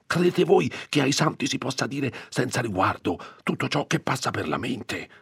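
A man voicing a fearful, irritable old male country priest who scolds in hushed urgency. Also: mid-range voice, sing-song, normal speed, vocal fry, husky, no echo, clean studio sound, pitched above the performer's own voice, heavily acted. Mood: stern lecturing.

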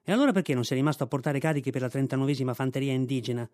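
A man voicing a gruff, bossy old army mule who scolds bluntly and briskly in a storybook reading. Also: medium pitch, a little mellow, dry recording, clean studio sound, close to an everyday voice.

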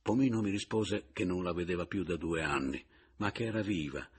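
A man reading a literary novel aloud as an audiobook narrator, in a measured, reflective first-person voice. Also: deep voice, slightly rough.

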